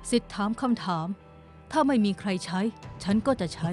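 A woman voicing a bitter, guarded young male outcast with a grave, deliberate delivery in a motion-comic drama. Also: medium pitch, lively intonation, a little mellow, faint music behind, natural voice. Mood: distrustful.

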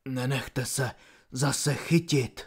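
A man reading an audiobook and voicing a wounded male commander who speaks low, slow and strained. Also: fairly bright tone, natural voice. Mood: grave. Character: wounded gruff male commander, grave and steady.

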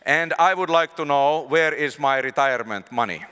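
Finnish-accented preacher in a reverberant church. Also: male voice, fairly high pitch, normal speed, clean tone. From Finland. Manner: animated, conversational, gesturing, jokes with the congregation. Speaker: guest preacher. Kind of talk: sermon with storytelling. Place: large church stage before a congregation. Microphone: handheld microphone. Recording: long reverb of a large church hall.

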